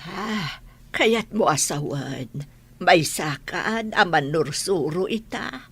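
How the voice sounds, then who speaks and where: A woman with an Ilocano Filipino accent acting a kindly, forgetful old grandmother in a radio drama, her voice husky and creaky. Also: fairly low pitch, lively intonation, takes it slowly, exaggerated voice. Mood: puzzled.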